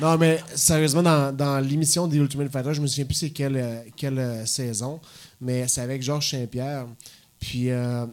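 Audible room echo around a man at a fairly high pitch, moderately paced and with ordinary pitch movement. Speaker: former mixed martial arts fighter. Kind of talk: casual chat. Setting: stage with audience.

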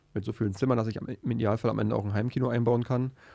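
Very fast and with vocal fry, a man speaks at medium pitch in a dark, mellow tone with fairly even intonation. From Brandenburg, Germany. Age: young. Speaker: real estate agent. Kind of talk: casual chat. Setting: studio.

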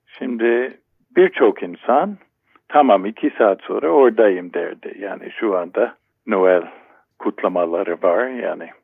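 Speaking with an English accent, a man takes a very slow pace. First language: English (speaking Turkish). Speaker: translator and poet. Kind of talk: radio interview. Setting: phone line from Ankara. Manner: halting with fillers.

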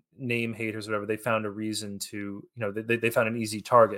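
A man speaks at a medium pitch with a Canadian accent. His delivery is monotone and flat. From Canada. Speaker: historian and author. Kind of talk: interview. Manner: halting, many repetitions and fillers.

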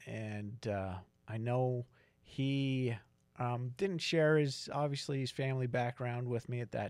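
A man talks at a medium pitch with ordinary pitch variation. The recording is very clean, and the background is silent. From Utah, Salt Lake City suburbs. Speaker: financial services associate. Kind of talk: casual interview chat. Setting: studio. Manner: halting, many fillers and repeats.

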